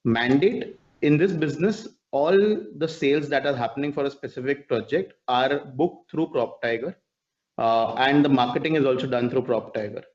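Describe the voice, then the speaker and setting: A man's voice: mid-range voice, moderate pace. Man on a dull conference call line. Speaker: company executive answering analysts. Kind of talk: business explanation on an earnings call.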